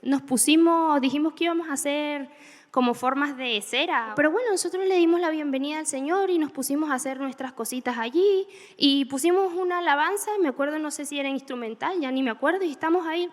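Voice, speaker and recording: A woman preaching a sermon, telling stories in an animated way with laughter. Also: high voice, a little fast, big-room sound. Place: church hall.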